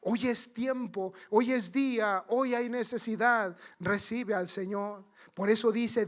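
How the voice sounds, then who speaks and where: Very high-voiced man preaching a sermon. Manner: fervent preaching, repeating phrases for emphasis; addresses the congregation as "hermano". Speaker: minister. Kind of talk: church sermon.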